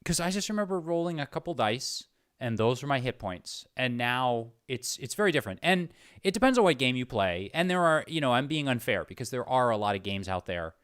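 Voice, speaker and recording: Guy doing a chatty interview, kinda rambly and tentative, medium pitch, dry sound. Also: sing-song, fairly quick, hardly any pauses, a bit bright, clean tone, no room sound. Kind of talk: casual conversational interview.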